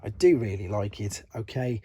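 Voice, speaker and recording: Low, husky man doing a casual review. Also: normal speed, dark tone. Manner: chatty, thinking aloud while handling items. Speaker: toy collector and reviewer, channel host. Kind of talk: unscripted hands-on toy review, casual commentary.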